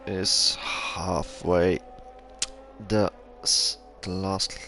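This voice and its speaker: A man's voice: sits low, level tone, very slow, gravelly. A young man with a Belgian accent commentating an online sim race, hesitant with many fillers and restarts. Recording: game engine noise and loud music behind. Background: engine noise and music.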